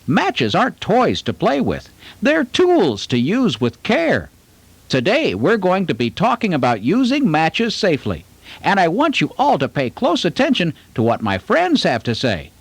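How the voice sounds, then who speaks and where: A man's voice: high voice, wildly swooping pitch, measured pace, slightly rough, no room sound. A man presenting fire safety to children in an exaggerated teacherly way. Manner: bright, exaggerated teacherly delivery. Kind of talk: talking to children.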